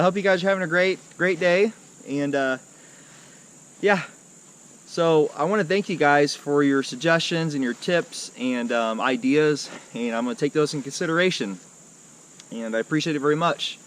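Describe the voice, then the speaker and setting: Halting, folksy man chatting, slightly high voice. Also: fairly bright tone. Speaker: vlog host. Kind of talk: casual vlog chat to viewers.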